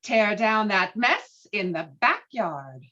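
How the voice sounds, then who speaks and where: A woman's voice: mid-range voice, very animated, slow pace, sharp tone, full character voice. Woman acting a stern, scolding mother, muffled audio. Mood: cold, firm. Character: stern, exasperated suburban mother of three. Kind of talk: virtual table read of a screenplay.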